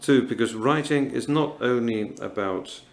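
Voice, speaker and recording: A man in his fifties from Morocco, speaking at a writers' panel in a halting, earnest way, with many pauses and fillers. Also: medium pitch, gravelly. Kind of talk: reflective festival panel talk.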